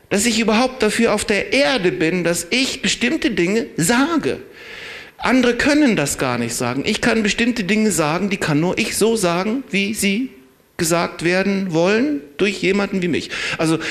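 A man preaching a sermon in a conversational, emphatic way. He chuckles at his own points, stretches key words out slowly and drops into quiet asides. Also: high-pitched.

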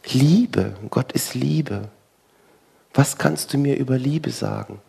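Gravelly German-speaking preacher, conversational. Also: male voice, medium pitch, slow pace, warm tone. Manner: conversational, rhetorical questions, wry asides. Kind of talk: sermon.

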